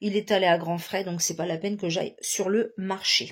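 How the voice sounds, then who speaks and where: A woman's medium-pitched voice, monotone and flat, at a moderate pace on a very clean recording with a silent background. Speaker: vlogger. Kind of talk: vlog. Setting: in a car. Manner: halting.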